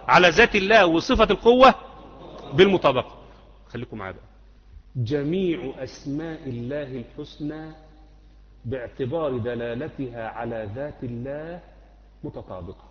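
A man with an Egyptian Arabic accent teaching Islamic creed, quizzing students and repeating points until the class answers. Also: high-pitched. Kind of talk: classroom lecture with questions to students. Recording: muffled lecture hall recording with long echo.

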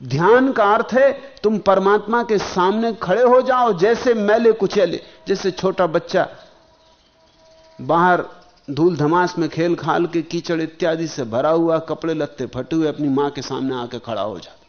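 A man giving a spiritual discourse, speaking in slow rhythmic phrases that swell and sink, and chanting verses slowly. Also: on the high side, highs cut off. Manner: slow, rhythmic, rising and falling emphasis. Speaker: spiritual teacher.

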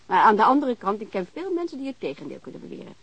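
Give the radio drama an outspoken, informal landlady. She is blunt and teasing, with a slightly husky edge to her voice. Her pitch sits on the high side and moves around a lot as she talks. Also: sing-song, racing, dry recording, exaggerated voice. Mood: wry, frank. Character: outspoken, unconventional landlady, informal and hospitable, wary of police. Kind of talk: naturalistic radio drama acting in Dutch.

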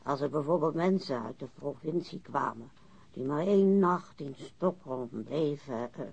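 Husky, tipsy, haughty widow. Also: female voice, sits low, expressive, moderate pace, darkish tone, exaggerated voice. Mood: rambling. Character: tipsy, prickly widow with refined airs. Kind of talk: radio drama acting.

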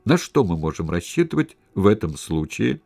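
Man voicing a calm, shrewd conspirator. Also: low voice, creaky, breathy edge, dry recording, clean studio sound, full character voice. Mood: scheming. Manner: measured, persuasive, reasoning. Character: shrewd, cautious male conspirator, calm schemer. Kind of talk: audiobook character reading.

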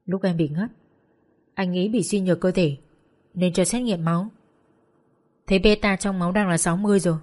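A woman's voice: lowish voice, normal speed, long pauses, close to an everyday voice. Woman voicing a worried, firm male doctor. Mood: explaining. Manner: calm, earnest persuading.

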